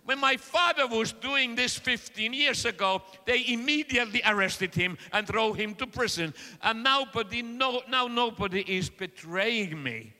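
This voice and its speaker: A middle-aged man from Finland with a Finnish accent, preaching a sermon and interpreting in an earnest, halting way with many fillers. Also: very high voice, lively intonation, sharp tone. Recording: echoey hall.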